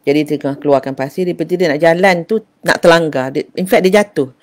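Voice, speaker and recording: A woman's voice: deep voice, brisk, darkish tone. An older woman, giving an affectionate, casual talk on parenting and addressing her listeners as dear. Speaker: parenting speaker.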